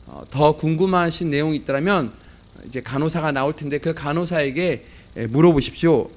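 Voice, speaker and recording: A man voicing a calm, patient surgeon who soothes a worried father in a story told during a sermon. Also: fairly high pitch, fairly quick, natural voice. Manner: gentle and soothing.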